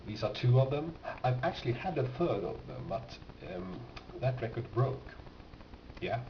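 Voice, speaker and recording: A man's voice: medium pitch, very animated, moderate pace, gravelly. A man giving a casual, unscripted show-and-tell as a record collector, hesitant and rambling as he thinks aloud. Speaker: record collector presenting his finds. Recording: roomy, distant, muffled, noisy home recording.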